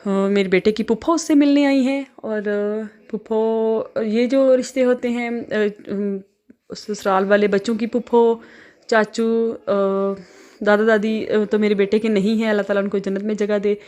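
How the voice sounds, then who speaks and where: Casting note: young Pakistani woman with a Pakistani Urdu accent, casual vlogger, talks easily and pauses often with fillers. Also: medium pitch, steady tone, a little mellow. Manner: chatty, many filler pauses. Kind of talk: casual home vlog.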